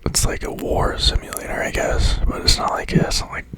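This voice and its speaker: Whispering male ASMR creator, breathy and hesitant. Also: fairly quick. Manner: hesitant, repeats words and phrases in tingly ASMR fashion. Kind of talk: ASMR, whispered rambling casual chat. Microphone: close microphone.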